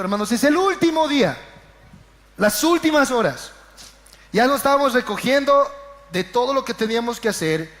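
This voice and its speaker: Pastor guy giving a sermon in a church, high pitched, big hall echo, stammers and repeats lines. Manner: storytelling with repeated phrases and stammers; swings from hushed low passages to quick raised bursts. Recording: long church-hall reverb.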